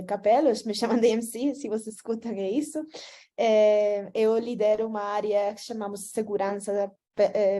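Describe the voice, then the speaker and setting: A Venezuelan woman gives an online talk with slides as a guest speaker on a video call, speaking Portuguese with a Venezuelan Spanish accent. Friendly and mellow in a mid-range voice, she often hesitates and restarts and mixes in some Spanish.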